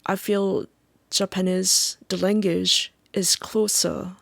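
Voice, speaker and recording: A Korean-accented speaker, a native Korean speaker, talking in a halting, reflective vlog monologue and often pausing to search for words. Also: medium pitch, little pitch movement, gravelly, a bit bright, dry recording. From South Korea. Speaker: vlogger.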